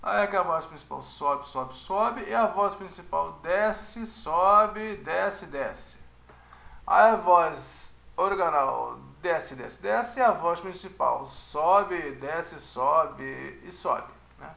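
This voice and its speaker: A man's voice: on the high side, animated, takes it slowly, creaky, bright, forceful tone, echoey room. A man with a Brazilian Portuguese accent giving a casual music lecture, often checking in with his listeners. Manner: chatty, checks in with "né?" and "tá?". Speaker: music teacher.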